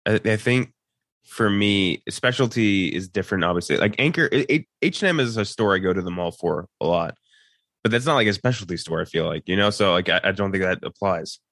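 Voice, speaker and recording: A male co-host chats informally on a podcast in a deep voice. The recording is dry and close. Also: a little fast, fairly bright tone, dry recording. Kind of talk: casual chat.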